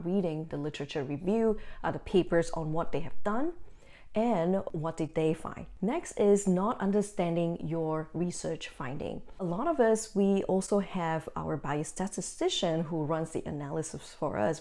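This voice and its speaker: In a non-native accent, a woman speaks at a moderate pace and a fairly low pitch, her dark, mellow tone carrying ordinary pitch variation. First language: not English. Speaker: academic writing coach. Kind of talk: tutorial.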